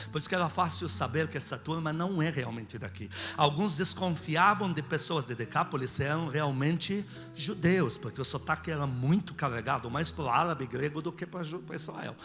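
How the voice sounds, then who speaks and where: This Brazilian-accented pastor has a fairly bright voice on the high side. He exhorts the congregation with force, throwing out rhetorical questions in a call-and-response sermon, while music plays under a long hall reverb.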